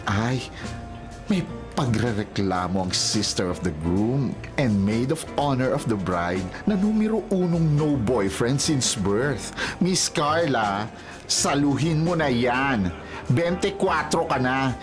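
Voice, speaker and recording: A man's voice: mid-range voice, expressive, slow pace. A man playing a flamboyant, teasing gay wedding emcee in a radio drama, with campy, theatrical announcing. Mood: playful teasing. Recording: music behind the voice.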